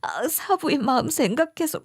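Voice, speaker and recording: A woman's voice: high-pitched, big pitch swings, moderate pace, no echo, studio quality, pitched above the performer's own voice. A woman voicing a frail, sick mother who is in pain and pleads for it to stop. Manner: pained, pleading.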